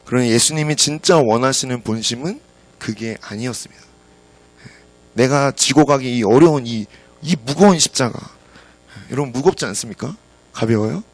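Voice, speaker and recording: Korean preacher telling a story in a sermon. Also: male voice, medium pitch. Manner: fills pauses with frequent "yes". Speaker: pastor.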